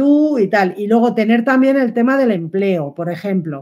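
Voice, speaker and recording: Here is a woman with an ordinary speaking voice. Her pitch is fairly high and her intonation lively. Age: 60s. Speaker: channel creator and businesswoman. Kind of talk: podcast conversation.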